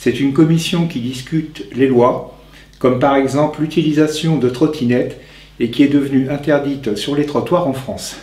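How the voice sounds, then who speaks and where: Audible room echo surrounds a man speaking at a moderate pace with fairly even intonation. His tone is dark and mellow, somewhat breathy. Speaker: presenter. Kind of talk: prepared presentation. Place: home room. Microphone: camera far.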